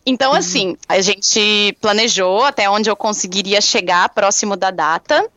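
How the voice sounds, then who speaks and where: A woman guest chatting casually on a podcast, cheerful, laughing often and sharing her news with excitement. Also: medium pitch, moderate pace, no room sound. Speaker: guest, touring cyclist. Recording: dry, dull lo-fi sound.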